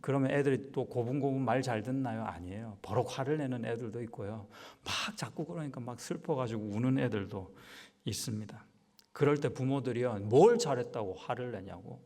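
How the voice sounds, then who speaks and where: A man serving as pastor delivers a sermon in a church sanctuary, his voice carrying a long hall reverb. His pitch sits in the middle, and he speaks to the congregation conversationally, often posing rhetorical questions. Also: fairly quick, a little mellow.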